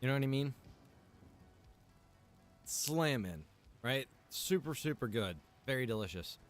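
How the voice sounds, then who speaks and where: Casual male streamer, rambling and halting. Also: mid-range voice, animated, faint music behind. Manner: rambling, halting, with repeated informal asides. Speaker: livestream host. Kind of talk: casual chat to stream viewers.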